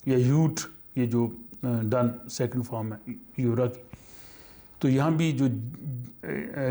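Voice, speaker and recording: A man teaches a language lesson at an unhurried, deliberate pace. His voice is dark and mellow, and he pauses often with fillers as he works through each point. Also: mid-range voice. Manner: slow, halting explanation with many fillers.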